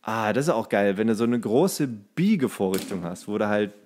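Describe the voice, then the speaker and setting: A man's voice: on the low side, expressive, moderate pace, darkish tone, slight background noise. A man co-hosting a podcast, rambling enthusiastically in casual, slangy, comedic chat. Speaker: podcast co-host.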